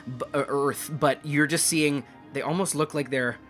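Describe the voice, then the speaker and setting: A man's voice: on the high side, fairly even intonation, moderate pace, fairly bright tone, soft background music. A man narrating a tabletop game as game master, describing scenes loosely and filling gaps with "like". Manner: rambling, loose descriptions full of "like".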